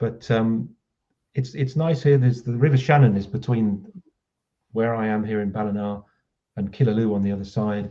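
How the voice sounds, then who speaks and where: Speaking with an English accent, a man has a dark, mellow, somewhat breathy tone at a medium pitch. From southern England. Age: 60s. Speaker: druid order member. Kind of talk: casual chat. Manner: halting, many fillers.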